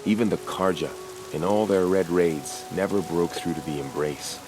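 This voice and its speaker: A man playing an earnest, battle-weary young tribal warrior in a video game, solemn and deliberate. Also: low-pitched, music in the background, lightly acted. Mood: somber. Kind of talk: video game cutscene acting.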